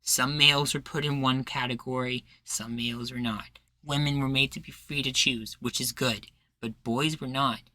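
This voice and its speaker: A defiant, charismatic male rebel leader, acted by a man for an audio roleplay. His voice is bright and forceful in a very dry space. He speechifies earnestly and persuasively, in folksy phrasing. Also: medium pitch, steady tone, moderate pace, no room sound, close to an everyday voice. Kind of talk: roleplay ASMR acting.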